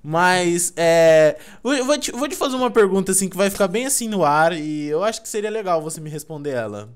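Young Brazilian male gaming host, high-pitched, teasing, rambly with fillers. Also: expressive, fairly quick, clear, resonant tone. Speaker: gaming YouTuber. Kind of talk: casual gameplay chat.

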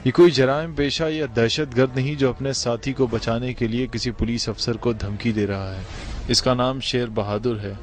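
A man's voice: mid-range voice, steady tone, normal speed, faint music behind. Man narrating a formal news report.

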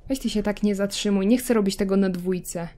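A woman's voice: medium pitch, fairly even intonation, a little fast, dark tone. A young woman giving casual gameplay commentary, chatting to her game characters with self-mocking asides. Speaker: gameplay video creator.

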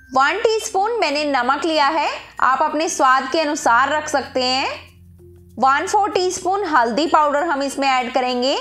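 A woman's voice: sits high, a bit bright. A woman hosting a cooking channel, narrating a recipe step by step and speaking directly to her viewers. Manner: instructive, addresses viewers directly.

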